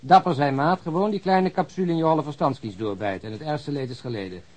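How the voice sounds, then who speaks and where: A man's voice: on the high side, fast talker, a little mellow, natural voice. Teasing police detective played by a man. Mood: mock-dramatic. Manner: teasing, mock-dramatic. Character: joking, talkative, food-loving male police detective. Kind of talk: radio drama acting.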